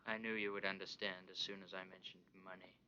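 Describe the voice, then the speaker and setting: An actor voicing a cunning, treacherous priest in an animated Bible drama, condescending and commanding. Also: male voice, low-pitched, fast, background noise, natural voice. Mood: scheming. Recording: dull lo-fi sound.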